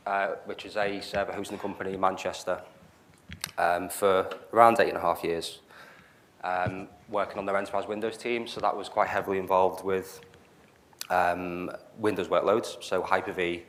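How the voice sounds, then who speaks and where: A man's voice: deep voice, fairly bright tone. A man with a Liverpool accent presenting a tech talk to a meetup audience, hesitant, with many fillers. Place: meetup venue, live audience. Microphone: handheld mic.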